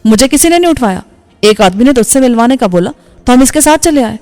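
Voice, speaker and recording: A woman's voice: fairly high pitch, lively intonation, a little mellow, close to an everyday voice. A woman voicing a fearless, brash young village woman with familiar, rustic speech.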